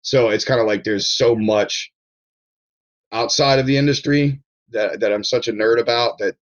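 A man's voice: mid-range voice, moderate pace, dull audio. A man from Maryland talking casually on a podcast as a chef guest, rambling with restarts and blunt swearing.

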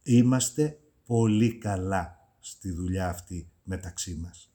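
Middle-aged man, actor guest, mellow low voice, echoes his own phrases. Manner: repeats his words for emphasis. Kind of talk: casual interview chat.

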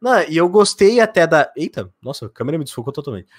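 A young man from Brazil, a podcast guest and video editor, talking in a fast, excitable way full of slang. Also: fairly high pitch, slightly rough, dry recording, studio quality. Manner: excitable and talkative, heavy slang. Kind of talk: casual podcast chat.

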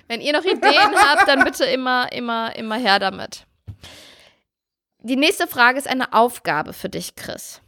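A woman's voice: sits high, lively intonation, unhurried, sharp tone. A woman co-hosting a casual chat podcast, teasing her co-host and laughing easily. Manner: teasing, giggly.

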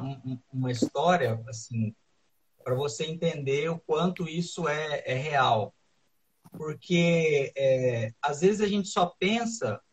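Guy, high husky voice, telling a story in an interview, lots of fillers and starting over. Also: fairly bright tone, poor audio. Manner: halting, many fillers and restarts. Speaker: interview guest. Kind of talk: conversational storytelling.

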